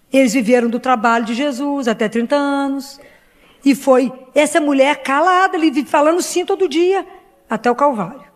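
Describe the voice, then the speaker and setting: A middle-aged woman preaching a heartfelt sermon to her congregation. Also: on the high side. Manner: earnest, heartfelt, speaks directly to the congregation.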